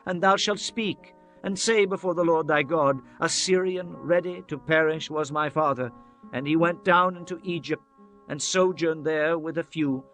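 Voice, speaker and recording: A man narrating scripture as a dramatized audiobook, in a solemn, measured, declamatory manner. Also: fairly high pitch, fairly bright tone. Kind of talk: dramatized scripture reading, archaic English. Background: background music.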